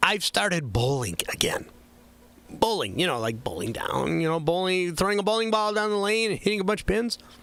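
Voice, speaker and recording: Very wide pitch swings run through the speech over noticeable background noise. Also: man. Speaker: home recording tutorial host. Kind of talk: live stream chat. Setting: live stream. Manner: halting, repeats words.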